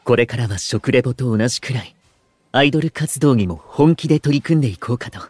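Courteous young literary type, husky voice, formal gentlemanly phrasing, medium pitch, audio drama. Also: male voice, lively intonation, a little fast, no room sound. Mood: humble earnest. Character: courteous, bookish young male food streamer and aspiring idol. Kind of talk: Japanese audio drama acting.

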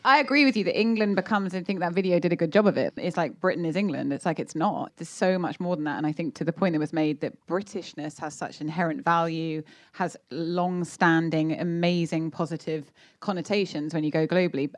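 A woman's voice: lowish voice, brisk, no room sound, clean studio sound. A Scottish woman on a panel, replying frankly and outspokenly. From Scotland. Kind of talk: panel discussion.

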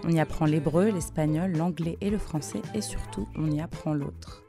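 A woman hosting a radio interview, asking clear, measured questions. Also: low voice, over music. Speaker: radio host.

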